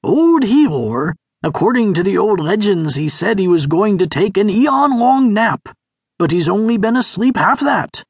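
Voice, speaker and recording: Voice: medium pitch, big pitch swings, unhurried, slightly rough, no room sound, pitched above the performer's own voice, heavily acted. A storybook reader voicing a weak, wheezing, plump young male creature who survived a fire. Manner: wheezy and breathless.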